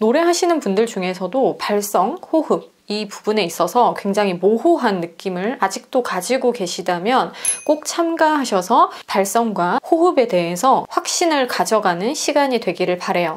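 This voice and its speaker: Speaking at a fairly slow pace with hardly any pauses, a woman has a fairly high pitch and very wide pitch swings. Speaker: vocal coach. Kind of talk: instructional talk to camera.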